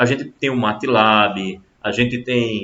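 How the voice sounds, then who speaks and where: With a normal speaking voice, a man talks at a medium pitch. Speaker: math professor. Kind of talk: lecture.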